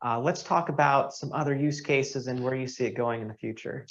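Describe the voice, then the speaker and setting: A man interviewing a guest, calm and brief as he steers the talk. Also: medium pitch, a little fast, dull audio. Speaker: podcast interviewer. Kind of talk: casual interview questions.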